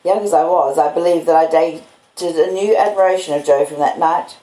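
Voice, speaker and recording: A woman's voice: low voice, moderate pace, mellow, echoey room, low-quality recording. A woman with an Australian accent reading a classic novel aloud as scripted storybook narration. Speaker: audiobook reader.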